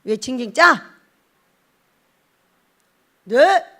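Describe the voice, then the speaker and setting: A woman's voice: high voice, lively intonation, extremely slow, a bit bright. A woman pastor giving a blunt, scolding sermon and acting out little scenes as she preaches.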